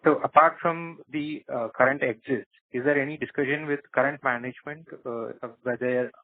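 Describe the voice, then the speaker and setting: A man asking analyst questions on a business call in a hesitant, halting way. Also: medium pitch, fairly even intonation. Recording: narrowband, tinny phone line.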